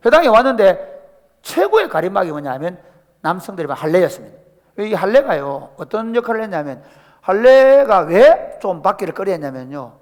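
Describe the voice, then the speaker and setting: Middle-aged male pastor, high animated delivery, long church reverb. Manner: animated preaching, acts out quoted voices, asks the congregation questions. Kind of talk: sermon. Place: church sanctuary.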